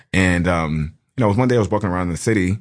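A man's very deep, low voice with a New York accent, fairly quick in pace, over a quiet background. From New York, Queens. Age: 30s. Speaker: photographer. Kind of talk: casual chat. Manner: halting.

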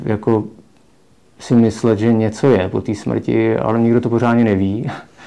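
A man's medium-pitched voice, dark and mellow in tone, with fairly even intonation at a moderate pace. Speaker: digital media expert and cancer survivor. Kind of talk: interview. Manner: halting, many fillers.

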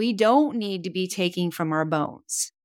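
Lively intonation marks a normal speaking voice in a very clean recording with a silent background. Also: woman, dry, close sound with no echo. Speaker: pharmacist and fitness coach. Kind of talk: casual chat.

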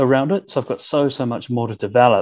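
A man speaks at a medium pitch with a New Zealand accent. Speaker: musical comedian. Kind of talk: casual interview. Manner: fast talker.

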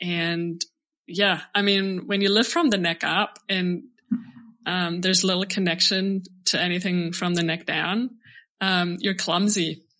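Against a quiet background, a woman with a German accent speaks fairly slowly at a medium pitch, her tone bright and sharp and her intonation fairly even. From Bavaria, southern Germany. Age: 30s. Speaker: breathwork teacher. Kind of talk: casual chat.

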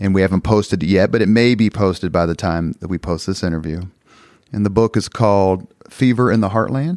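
On a very clean recording with a silent background and a dry, close sound with no echo, a man with an American accent speaks in an unremarkable speaking voice, fairly low in pitch with ordinary variation, at a fairly quick pace. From Indianapolis, Indiana. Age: 50s. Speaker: podcast host, public relations executive. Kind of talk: interview.

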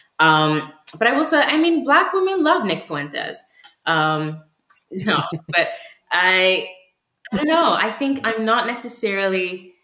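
A woman with a fairly high pitch speaks with very wide pitch swings, leaving long, frequent pauses. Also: fairly slow pace. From Britain, born in Africa. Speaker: stand-up comedian and actress. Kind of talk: casual chat.

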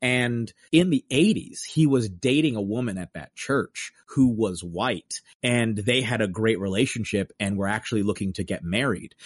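A man with an American accent speaks at a moderate pace in a medium pitch with ordinary pitch variation and hardly any pauses, in a plain, everyday voice recorded with a dry, close sound and no echo. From Cincinnati, Ohio, US Midwest. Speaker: actor. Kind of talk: casual chat. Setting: video call.

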